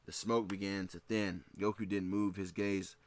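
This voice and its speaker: Deep-voiced man narrating a story. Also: moderate pace, no echo. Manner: steady reading with occasional slips and restarts. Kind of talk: fan fiction story narration.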